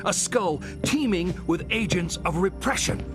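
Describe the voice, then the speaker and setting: Condescending game psychiatrist: frustrated, slow, widely inflected delivery, music underneath. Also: male voice, high voice, lively intonation. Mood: exasperated, scathing. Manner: theatrical, emphatic, rhetorical questioning. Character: frustrated male psychiatrist, condescending and intense, confronting a patient. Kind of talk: dramatic video game voice acting. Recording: music behind the voice.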